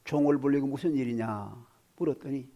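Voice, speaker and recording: A male pastor preaching a sermon, swinging from loud exclamations to hushed whispers and asking the congregation questions. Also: medium pitch, a little fast, highs cut off.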